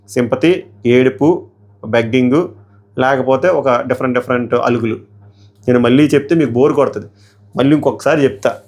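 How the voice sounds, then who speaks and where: A hoarse young man giving a heated, argumentative review of a reality show episode and putting questions to his viewers. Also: mid-range voice, darkish tone.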